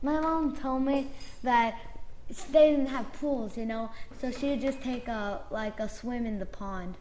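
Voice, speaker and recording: High-voiced chatty Florida woman. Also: measured pace, a little mellow, slight background noise. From Florida, United States. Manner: chatty, switches between English and Spanish, many "like"s. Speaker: co-host of a family chat. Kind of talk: casual chat.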